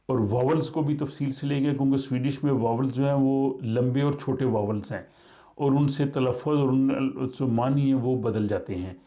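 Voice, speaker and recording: Middle-aged male teacher, warm and dark tone, measured delivery with hesitations. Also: mid-range voice. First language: Urdu. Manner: slow, measured, with frequent hesitations. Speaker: language teacher. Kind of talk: explanatory language lesson.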